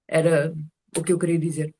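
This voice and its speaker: A woman telling casual personal stories to a group on a video call, animated and often searching for words. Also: low-pitched, a little fast. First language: Portuguese is one of several languages spoken.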